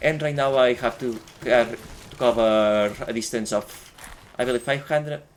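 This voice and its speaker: A man talks at a moderate pace in a medium pitch. He speaks with a Spanish accent. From Spain. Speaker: streamer. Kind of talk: live gameplay commentary. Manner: halting.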